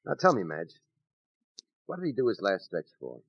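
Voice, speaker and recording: An actor playing a hard-boiled police detective who also narrates, in a 1940s-style radio drama, clipped and wry. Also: male voice, sits low, huge pitch swings, normal speed, vocal fry, breathy edge, heavily acted. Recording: muffled old radio recording.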